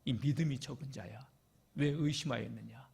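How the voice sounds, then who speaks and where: A preacher voicing a stern, solemn teacher. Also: male voice, gravelly, husky, full character voice. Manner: low, measured, solemn, sometimes hushed. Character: calm, stern male teacher rebuking his disciple.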